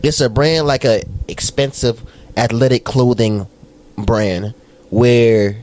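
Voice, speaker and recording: A young man riffs through a casual podcast chat, swearing freely and wandering off mid-sentence. His voice sits at an ordinary mid pitch. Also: fairly even intonation, slow pace, a little mellow, slight background noise. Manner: rambling, profane storytelling with laughs. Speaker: podcast co-host.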